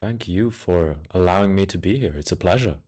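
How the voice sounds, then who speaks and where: A man raised in Switzerland, a guest in an interview, telling his story in a relaxed and friendly way. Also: sits low, fairly quick, breathy edge. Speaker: interview guest, speaker agent. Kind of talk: conversational interview.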